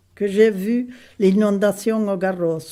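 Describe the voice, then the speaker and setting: A woman talks at a very slow pace. Her pitch sits at a medium level. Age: 80s+. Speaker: elderly resident sharing memories. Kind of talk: reading aloud.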